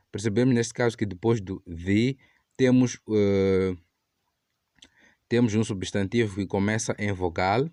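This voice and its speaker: A man, teaching an English lesson patiently and slowing down to spell out English examples. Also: lowish voice, a little mellow, no echo, studio quality. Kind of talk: online language lesson. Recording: faint background music.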